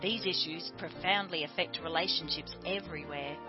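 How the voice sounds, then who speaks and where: A woman's voice: on the low side, moderate pace. A woman announcer reading a polished, scripted closing message for the show. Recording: muffled, with music underneath.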